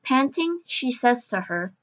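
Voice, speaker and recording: A woman's voice: on the high side, very animated, unhurried, highs cut off. A woman reading scripted narration for an audio drama.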